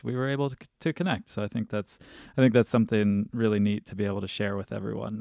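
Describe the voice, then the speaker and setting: A man's voice: fairly low pitch, gravelly, a little mellow, dry recording, clean studio sound. A man hosting a podcast interview, chatty and enthusiastic, rambling with frequent restarts. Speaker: podcast host. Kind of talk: casual interview chat.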